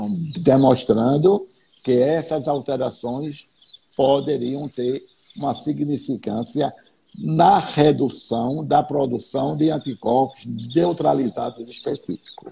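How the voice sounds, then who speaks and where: Very slowly, a man speaks with a fairly high pitch, a dark, mellow tone and vocal fry. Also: ordinary pitch variation. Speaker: pediatrician. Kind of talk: expert interview on live stream.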